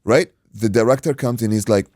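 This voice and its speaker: A man from Iraq, a native Arabic speaker, telling an animated anecdote in casual podcast chat, acting out dialogue and swearing freely. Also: on the low side, fairly quick, dry recording, studio quality. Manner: acts out dialogue, swears, says "dude". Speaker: podcast guest, martial arts coach and stunt performer.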